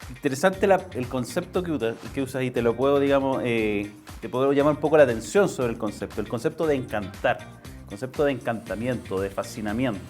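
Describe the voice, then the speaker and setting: A Chilean man talks as an interview guest in a mid-pitched voice. He explains his views conversationally, stopping and restarting and repeating phrases to drive them home, with faint music behind him. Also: brisk, a little mellow. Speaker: interview guest, political writer. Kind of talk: conversational political commentary.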